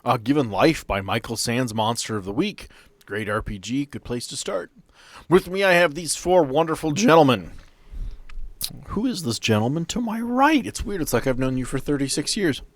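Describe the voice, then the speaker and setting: A man's voice: medium pitch, lively intonation, normal speed, dry recording. A man in his thirties chatting casually as the game master of a tabletop game. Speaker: game master and world creator.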